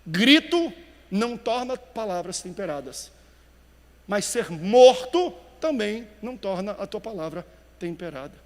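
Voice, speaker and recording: A male pastor preaching a sermon with animated emphasis, dropping quiet and then rising loud. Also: high voice, unhurried, big-room sound.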